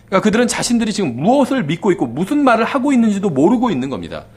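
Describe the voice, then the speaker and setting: Preaching briskly and conversationally, this pastor's slightly high, breathy voice swings hugely up and down. He keeps checking in with "그렇죠?" and fades each phrase into a quiet, low finish.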